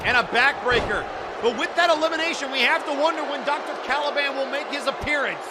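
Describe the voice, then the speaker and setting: A man calls live wrestling in a very high, strained shout, excitedly exclaiming at the action and the referee. A loud crowd and noise surround his voice. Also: fast talker. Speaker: wrestling play-by-play commentator. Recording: noisy event audio with loud crowd. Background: crowd noise and slamming thuds.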